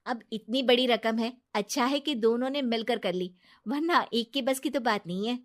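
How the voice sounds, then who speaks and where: A woman's voice: a little high, moderate pace, natural voice. A woman voicing a trusting, kind young wife in a cartoon story, talking in an earnest, chatty way. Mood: reassuring. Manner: chatty, earnest everyday speech.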